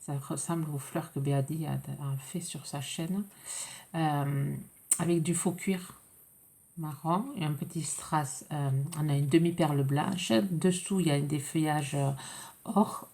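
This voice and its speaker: Low-voiced French woman with a cold. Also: steady tone, a little mellow. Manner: hesitant, many pauses and fillers. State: congested with a cold. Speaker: scrapbooking vlogger. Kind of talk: casual unboxing chat.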